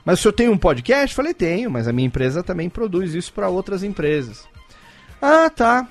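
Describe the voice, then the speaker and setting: A man's voice: sits high, brisk, soft background music. A Brazilian man, a podcast host, telling a story to friends in casual chat, acting out both sides of a conversation. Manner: animated, acts out both sides of a dialogue.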